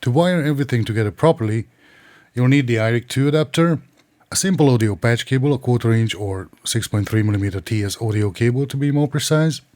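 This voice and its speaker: A man's voice: mid-range voice, expressive, a little fast, a little mellow, no echo. A man narrating an instructional tech tutorial in a methodical, precise, explanatory way. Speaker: tech reviewer and tutorial presenter.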